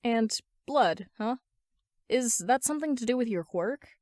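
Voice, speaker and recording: A woman's voice: on the high side, animated, measured pace, darkish tone, dry recording, clean studio sound, voice pushed up. A woman voicing a mild, busy teenage boy barista in a story reading, hesitant and sometimes stammering. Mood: curious.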